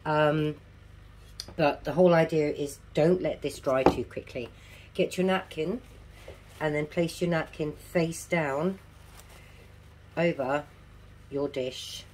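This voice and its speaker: Presenting a craft tutorial at her home craft table, this middle-aged woman speaks slowly in a deep, darkish voice with long pauses. Being toothless, her articulation is slightly slurred as she casually walks through each step and repeats the key ones. Slight background noise is audible.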